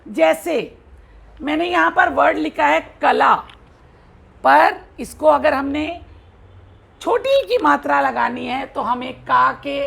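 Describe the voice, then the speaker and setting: A woman's voice: high voice, lively intonation, takes it slowly, gravelly, fairly bright tone. A woman teaching a Hindi lesson to children, patiently drawing out and repeating each sound as she demonstrates.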